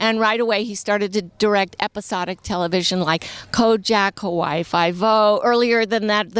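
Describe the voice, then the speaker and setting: With an ordinary speaking voice, a woman talks at a moderate pace and medium pitch with fairly even intonation on a very clean recording with a silent background. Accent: General American. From Los Angeles. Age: 60s. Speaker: electric vehicle activist. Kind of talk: interview.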